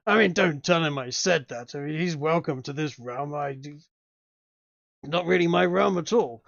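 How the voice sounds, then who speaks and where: A man voicing a blustering, tactless otherworldly brute in a booming, dopey bellow for a tabletop game. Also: normal speed, creaky, a bit bright, dry recording, highs cut off. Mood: blustering, impatient.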